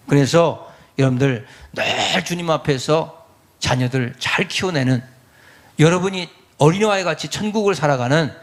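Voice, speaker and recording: A middle-aged pastor preaching to his congregation with a fairly high voice. He talks in an animated way and keeps slipping into the voices of parents and churchgoers to make his points. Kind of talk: sermon.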